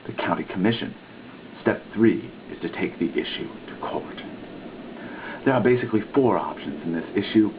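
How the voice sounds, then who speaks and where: A man with a very low voice reads a written text in a mock-dramatic style, pushing his pitch and stress up and down theatrically. The recording is thin and phone-like, with a faint hiss under it. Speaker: reader. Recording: tinny lo-fi recording with faint noise.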